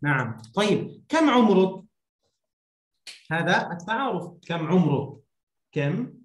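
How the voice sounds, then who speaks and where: A man speaks as a language teacher. His voice is on the low side and rings in a roomy, echoing space. He enunciates each phrase deliberately, prompting and repeating for a beginner. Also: big pitch swings. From Egypt. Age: 30s. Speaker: Arabic teacher. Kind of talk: beginner language lesson to one student. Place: small indoor room, video call. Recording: roomy echoing online-call sound.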